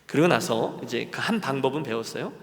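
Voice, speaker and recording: A man's voice: mid-range voice, animated, brisk. A middle-aged man preaching a sermon as senior pastor, earnestly addressing his congregation in a church sanctuary. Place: church sanctuary at a Friday service. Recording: long church hall reverb.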